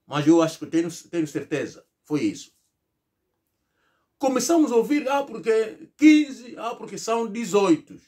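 A man's voice: sits high, big pitch swings, moderate pace, warm tone. A middle-aged man from Angola gives an emphatic political commentary to camera, mocking imagined replies in a rhetorical monologue from a small room. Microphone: fixed camera, seated at medium distance.

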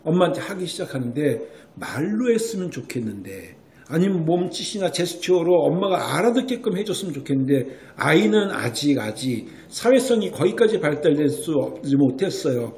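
A male doctor explaining child development to parents, emphatic, often pausing for rhetorical checks. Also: on the high side, very animated, a little mellow. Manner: emphatic, keeps asking rhetorical checks like "right?". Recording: echoey room.

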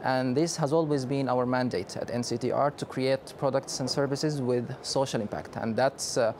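Hesitant Sudanese director, measured speech. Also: male voice, mid-range voice, steady tone, a little mellow, a little hiss or hum. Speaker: company director, interview guest. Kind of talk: conference interview. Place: exhibition booth studio set.

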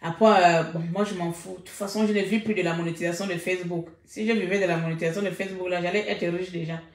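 A woman's voice: fairly low pitch, fairly even intonation, quick pace. A woman hosting a casual live stream, talking animatedly and repeating exclamations. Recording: echoey room.

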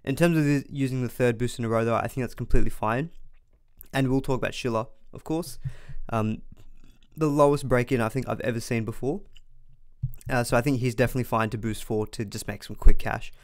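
A man's voice: medium pitch, fairly quick, dry recording, studio quality. A man, hosting a casual fantasy sports live stream at home, slightly congested from a cold, chatty and reading viewer comments. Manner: chatty, reads viewer comments aloud, frequent restarts.

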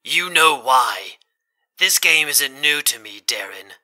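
Audio drama young tycoon acted by a man: cold, guarded, clipped orders, very tense bright tone. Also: mid-range voice, expressive, slow, full character voice. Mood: cold urgency. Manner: terse, authoritative. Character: cold, commanding young businessman, guarded and self-assured.

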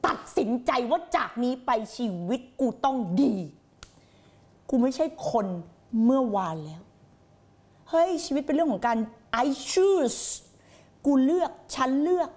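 A woman's voice: high voice, expressive, unhurried, darkish tone. A woman life coach on a late-night motivational live stream, blunt and crude with heavy slang, fiery and intense as she answers viewers. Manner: fiery and intense, reads viewer comments aloud.

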